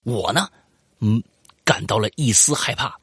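A man with a fairly low, breathy voice, speaking a little slowly, hosts a show where he reads out a listener's story and riffs on it. He's animated, swearing and slipping into voices for quoted lines, rambling with frequent fillers and repeats amid banter and commentary. The studio sound is clean, with no room sound.

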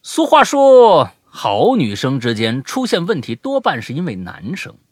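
A man's voice: medium pitch, moderate pace, husky, no room sound, clean studio sound. A young adult man hosting a podcast, retelling listener stories in casual chat and dropping to a whisper for suspense. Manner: animated storytelling, drops to a whisper for suspense. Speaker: podcast host.

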